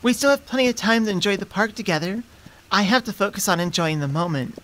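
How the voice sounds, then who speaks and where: A woman's voice: mid-range voice, expressive, quick pace, close to an everyday voice, low-quality recording. Woman acting as a playful, affectionate centaur girlfriend. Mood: fond, teasing. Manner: playful, sweet, conversational. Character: affectionate, teasing, easily flustered young adult centaur girlfriend. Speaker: voice actress in ASMR roleplay. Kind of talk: intimate ASMR girlfriend roleplay. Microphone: close studio microphone.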